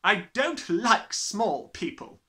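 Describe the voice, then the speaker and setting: A bellowing, high-pitched tyrant headmistress. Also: male voice, big pitch swings, slow, sharp tone, heavily acted. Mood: scornful, snapping. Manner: barking, bellowing, snapping. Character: huge bullying headmistress, furious, bellowing, contemptuous. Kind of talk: storybook character reading.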